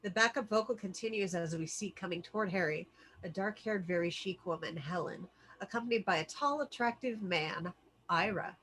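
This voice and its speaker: Female table-read narrator, bright forceful tone, scripted stage directions. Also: fairly low pitch, moderate pace, slight background noise, poor audio.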